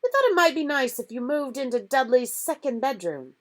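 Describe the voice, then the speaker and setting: Woman putting on a loud sneering uncle, high strained shouts, swinging pitch. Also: expressive, measured pace. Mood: blustering. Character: blustering angry middle-aged uncle.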